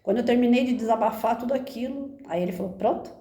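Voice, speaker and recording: A woman with a Brazilian Portuguese accent telling a personal story in an expressive, animated way, often tagging sentences with a questioning aside. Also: fairly high pitch, quick pace. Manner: expressive, animated retelling with frequent "né?". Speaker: speaker giving a personal testimony. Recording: roomy echo.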